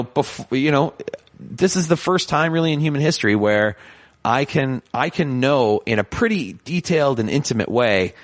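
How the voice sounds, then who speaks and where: A man's voice: medium pitch, dry recording. A man from Canada, chatting as a podcast guest. He rambles in bursts and pokes fun at himself. His voice is dry and close, with no room around it. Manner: animated, rambling, self-deprecating. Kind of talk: casual conversation.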